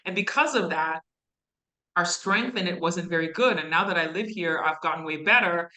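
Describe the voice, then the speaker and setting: A woman who grew up in Canada speaks as a guest in a university classroom, answering students' questions. Her voice sits a little low but sounds bright and forward. She talks conversationally, wandering into asides and fillers. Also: moderate pace.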